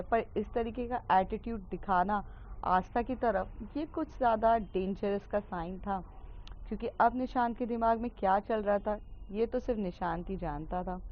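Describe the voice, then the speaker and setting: A woman tells a story in a loose, chatty way, pausing often on fillers and slipping in English words. Her voice sits a little high. The recording is dull and lo-fi, with a faint hiss. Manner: chatty, mixes in English, frequent filler pauses. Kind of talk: casual storytelling narration.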